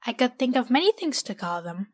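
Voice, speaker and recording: A woman playing a wry, self-deprecating, resentful ordinary human in an audio drama, speaking in a measured way. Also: a little high, big pitch swings.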